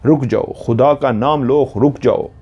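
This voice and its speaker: A man's voice: mid-range voice, a little slow, slightly rough, dull audio, pitched above the performer's own voice. A man voicing a terrified young woman who desperately pleads to be let go. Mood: frantic pleading. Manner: desperate pleading, frantic cries.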